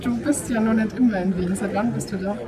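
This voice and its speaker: A woman hosting a podcast, asking short relaxed questions in a casual chat. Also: medium pitch, brisk, a crowd in the background. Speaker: podcast host.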